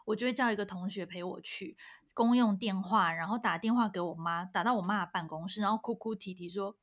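A woman, co-hosting a casual chat podcast and responding warmly with her own stories. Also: medium pitch, fairly quick. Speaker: podcast co-host.

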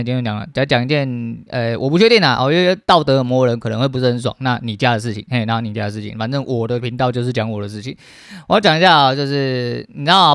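A man's voice: medium pitch, no room sound. A man in his thirties with a Taiwanese Mandarin accent, hosting a solo podcast in a blunt, heavily profane way, his throat dry and scratchy. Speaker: podcast host. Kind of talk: casual solo podcast rant.

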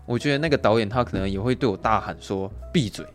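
A man's voice: fairly low pitch, fast talker, faint music behind. Laughing, swearing man. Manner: laughs often, swears casually, acts out quotes. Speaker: podcast co-host. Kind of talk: casual film chat.

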